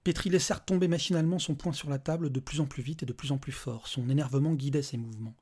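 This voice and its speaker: A man narrating a dark short story in a measured, dramatic reading style. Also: fairly high pitch, steady tone, husky. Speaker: reader of short stories. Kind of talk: scripted narration.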